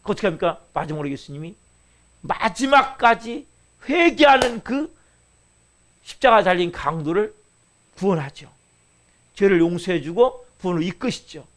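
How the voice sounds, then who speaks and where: Pastor guy giving a sermon at church, kinda high voice, drags out words and keeps asking the crowd stuff. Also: lively intonation, a bit bright. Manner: keeps asking the congregation rhetorical questions; stretches key words slowly for emphasis. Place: church service.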